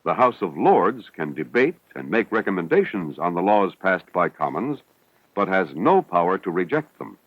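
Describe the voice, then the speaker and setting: A man with a low voice and lively intonation delivers formal, measured narration for a 1970s educational film. The soundtrack is dull, with a slight hiss. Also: dry recording. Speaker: documentary narrator.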